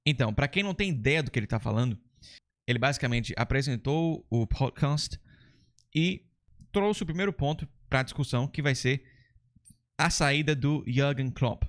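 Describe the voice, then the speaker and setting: Brazilian guy teaching english accents, chatty and into it, mid-pitch voice. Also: lively intonation, normal speed. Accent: Brazilian Portuguese. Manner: chatty, enthusiastic, explains step by step. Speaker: English teacher and channel host. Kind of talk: casual explanatory lesson.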